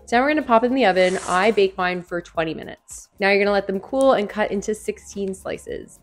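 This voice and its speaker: A woman's voice: medium pitch, fairly quick, soft background music. A young adult woman talks casually as a food vlogger hosting recipe reviews, informal and sprinkling in "like" as she goes. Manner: informal, frequent "like" as filler.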